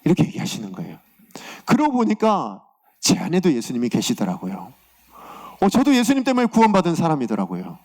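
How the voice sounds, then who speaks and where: Animated, high-pitched male pastor preaching. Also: a little fast. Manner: animated, acts out God's words in a raised voice; confessional storytelling about his own week. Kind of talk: sermon.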